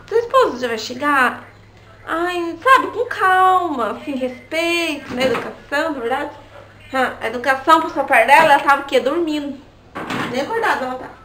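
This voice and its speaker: A woman's voice: high voice, pushed and bright, slight background noise. A young adult woman telling a story in a casual vlog, chatty and often turning to her viewers. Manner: chatty, often asks the audience "né, gente?". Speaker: vlogger.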